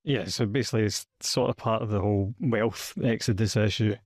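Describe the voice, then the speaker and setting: A man from Scotland with a Scottish accent, interviewing a guest in a relaxed, hedging way with frequent fillers. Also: on the low side, fairly quick, no echo, clean studio sound. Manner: hedging, questions full of fillers and restarts. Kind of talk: conversational interview.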